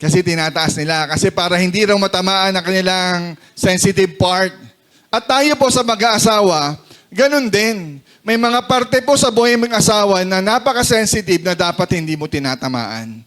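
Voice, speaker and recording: A young man with a Filipino accent preaches to his congregation, switching between Tagalog and English. His voice sits noticeably high for a man. He keeps asking the room to agree with him. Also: a bit bright. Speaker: pastor. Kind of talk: sermon.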